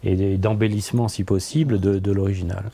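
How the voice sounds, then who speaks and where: Man, 60s, native French speaker, interview guest; low, dark, husky tone; reflective, hesitant delivery. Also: steady tone. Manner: thoughtful, halting, frequent repetitions and hesitations. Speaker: interviewee, philosopher and translator. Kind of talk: conversational interview. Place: book-lined office, indoors.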